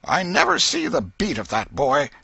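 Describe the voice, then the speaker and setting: A man voicing a gravelly, scolding old aunt. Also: on the high side, wildly swooping pitch, normal speed, sharp tone, no echo, pitched above the performer's own voice, exaggerated voice. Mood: shouting. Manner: scolding, exclaiming, folksy dialect. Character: fussy, soft-hearted old aunt, scolding.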